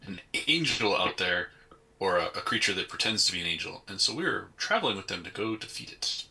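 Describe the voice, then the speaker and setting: Sharp, slightly husky man playing a tabletop game. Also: sits low, big pitch swings, brisk, rough recording. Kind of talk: casual in-character game talk.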